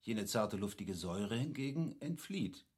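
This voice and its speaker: Educated polite captain guy, slightly rough husky voice, formal and patient, classic radio play. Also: fairly low pitch, animated, darkish tone. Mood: patient, instructive. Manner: measured, didactic, formal. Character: learned, courteous captain patiently explaining, a cultivated man.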